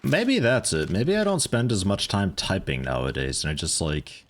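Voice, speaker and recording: A man's voice: sits low, big pitch swings, moderate pace, slight background noise. A man in his thirties giving rambling, casual commentary while livestreaming a game, swearing now and then. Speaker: gaming livestreamer.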